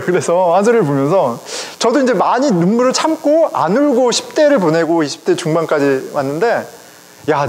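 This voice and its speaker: A middle-aged man, a pastor, preaching a sermon in a conversational, animated way, speaking directly to his congregation. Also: high voice. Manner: conversational, animated, chuckles often, addresses congregation. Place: church sanctuary. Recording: long reverb of a church hall.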